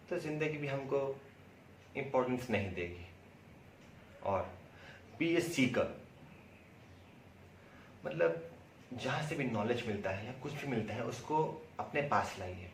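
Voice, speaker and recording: An Indian man giving a prepared testimonial in a deliberate, emphatic way, with pauses and repeated words. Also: medium pitch. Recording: roomy echo, distant mic, faint noise.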